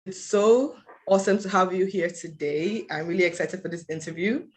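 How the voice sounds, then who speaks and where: An interviewer hosting a casual chat, speaking excitedly with many fillers like you know and like. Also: medium pitch, normal speed. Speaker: interviewer host. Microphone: video call.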